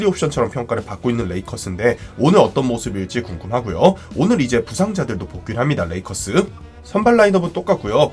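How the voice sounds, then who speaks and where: A man with a stuffy, cold-affected voice giving explanatory, analytical sports commentary over basketball highlights as the host. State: has a cold, congested stuffy voice.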